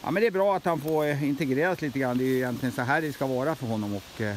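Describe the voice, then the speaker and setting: A middle-aged man talking casually as he films a walk outdoors. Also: medium pitch. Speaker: moose keeper filming a walk. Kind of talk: casual outdoor narration, calling to animals. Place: forest path outdoors. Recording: noisy outdoor phone video. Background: outdoor ambience.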